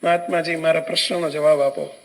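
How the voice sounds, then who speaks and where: An anxious wealthy merchant, middle-aged and restless, calling out and pleading, as a storyteller voices him. The voice stays high. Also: male voice, flat delivery, fast, close to an everyday voice, poor audio.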